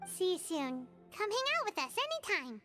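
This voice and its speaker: A woman's voice: extremely high pitch, sing-song, normal speed, pushed and bright, soft background music, exaggerated voice. A woman voicing a tiny, cheerful, childlike fairy companion in a video game. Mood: chirpy. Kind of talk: scripted video game acting.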